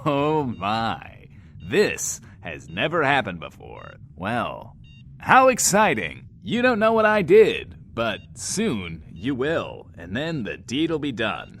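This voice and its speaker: An actor playing a vain, playful post-apocalyptic radio host in an audio drama, grandiose and coy, often speaking of himself in third person. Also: male voice, medium pitch, huge pitch swings, slow pace, a bit bright, slight background noise, heavily acted. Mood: gleeful anticipation.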